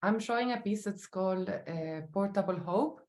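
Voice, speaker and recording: A woman from Chile with a Chilean Spanish accent, speaking as a sculptor in an interview, thoughtful and halting with many fillers. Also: mid-range voice, darkish tone. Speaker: sculptor guest. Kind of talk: interview answers. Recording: roomy echo.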